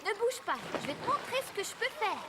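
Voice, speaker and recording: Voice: extremely high pitch, big pitch swings, fast talker, heavy background noise. An actor voicing a friendly, encouraging little girl in a French preschool cartoon, supportive and chatty. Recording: loud music bed behind the voice.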